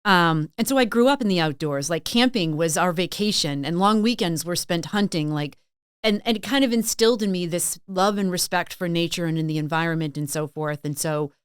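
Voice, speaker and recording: A middle-aged woman speaks as a podcast guest, chatty and full of stories. Her voice sits a little low and sounds smooth and clean. The recording is dry and close, with no room echo. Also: brisk. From Massachusetts and Maine, USA. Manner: chatty, storytelling, frequent "like" and "um". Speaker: podcast guest, sales consultant and author. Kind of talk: casual interview chat.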